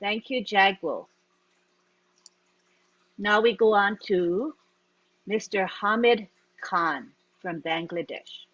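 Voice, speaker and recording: A woman moderates an online webinar with a brisk, instructive delivery, setting out ground rules and inviting participants to speak. Her voice sits in a middle range. The call audio is dull and muffled. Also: mid-range voice, fairly bright tone. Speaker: webinar host.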